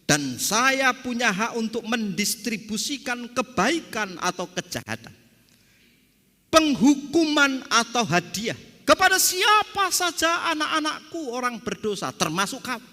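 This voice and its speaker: A man's voice: very high-pitched, very animated, measured pace, pushed and bright, pitched above the performer's own voice, full character voice. A man preacher voicing God as a stern, commanding male figure who asks blunt, challenging questions, heard with a long church reverb.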